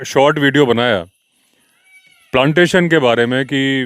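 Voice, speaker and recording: A man talks through his own podcast in a loose, conversational way, pushing back on viewer comments with a patient but slightly defensive tone. His voice sits in a middle pitch and is recorded dry and close. Crickets and insects can be heard faintly in the background. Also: moderate pace, fairly bright tone, clean tone, no echo. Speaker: wildlife podcast host. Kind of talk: casual solo podcast talk.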